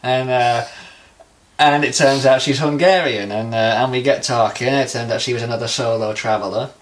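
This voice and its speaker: A young man tells a long travel anecdote on a casual podcast. His pitch sits in a mid range, and his manner is relaxed and easily amused. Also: a little fast, slight background noise. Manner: chatty storyteller, relaxed and self-amused. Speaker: podcast co-host.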